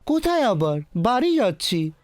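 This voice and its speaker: A woman's voice: on the high side, big pitch swings, moderate pace, no room sound. An actress playing a busy, chatty young college woman in a film drama. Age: young adult. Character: busy, chatty college girl hurrying her friends. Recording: film scene under loud music.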